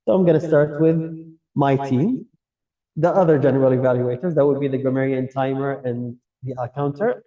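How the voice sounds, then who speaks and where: A man's voice: medium pitch, fairly even intonation, moderate pace. A man with a Kuwaiti Gulf Arabic accent, a native Arabic speaker, giving explanatory, semi-formal feedback as an evaluator at a speaking club. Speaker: general evaluator at a public speaking club meeting. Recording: distant mic, dull muffled sound.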